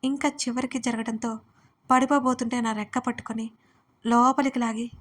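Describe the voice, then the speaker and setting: A woman's voice: fairly high pitch, moderate pace. A young woman narrating a first-person audio story expressively. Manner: expressive, pleading in dialogue.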